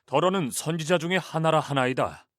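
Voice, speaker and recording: A man's voice: fairly high pitch, fairly quick, fairly bright tone, no echo, studio quality, lightly acted. An actor playing an earnest, deferential male disciple in a dramatized scripture reading.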